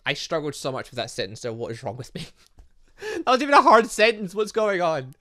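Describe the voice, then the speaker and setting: Excitable guy doing a let's play, bright punchy voice, kinda high, rambles and trips over lines. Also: a little fast. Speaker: gaming video host, let's play narrator. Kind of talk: casual gameplay commentary, reading game dialogue aloud.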